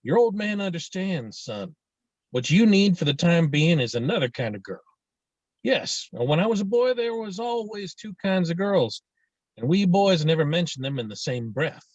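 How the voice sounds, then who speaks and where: Man acting domineering dad, slightly high voice, muffled dry recording, stage drama read. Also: sing-song, moderate pace, no room sound. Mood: pleading, coaxing. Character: domineering father, proud, pressing his son. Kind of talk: virtual table read of a drama script. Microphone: video call microphone.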